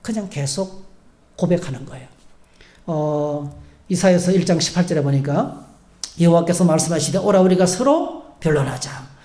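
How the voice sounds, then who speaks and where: Korean pastor guy preaching, warm dark voice, echoey church hall, acts out little prayers. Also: on the high side, lively intonation, normal speed. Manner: preaching with acted prayers and call-and-response. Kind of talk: sermon. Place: church sanctuary.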